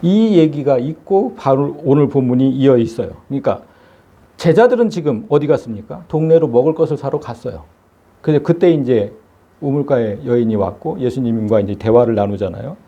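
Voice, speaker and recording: A man's voice: mid-range voice, expressive, normal speed, mellow, muffled recording. A man preaching a sermon as pastor, emphatic and full of rhetorical questions.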